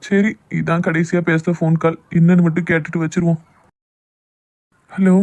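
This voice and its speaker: A man's voice: on the high side, level tone, moderate pace, darkish tone, lo-fi sound, lightly acted. A man playing a hurt, jealous young lover in a cartoon love drama, with a southern Tamil Nadu accent. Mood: hurt, sarcastic.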